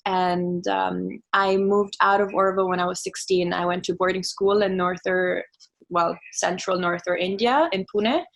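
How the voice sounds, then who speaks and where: A young woman who grew up in Italy talks with old friends about her childhood. She thinks aloud, full of fillers and small restarts, relaxed and open. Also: fairly low pitch, normal speed, creaky. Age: young adult. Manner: reflective, chatty, lots of "like" and "um". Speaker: podcast guest. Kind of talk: casual conversation.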